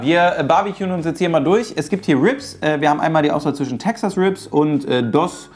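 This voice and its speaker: A man's voice: fairly high pitch, quick pace, soft background music. A man in his thirties chatting casually and jokingly in a food vlog, with slang and English phrases mixed in. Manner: jokey, exclamatory, slangy. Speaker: host of a food-testing video. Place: home kitchen, indoors.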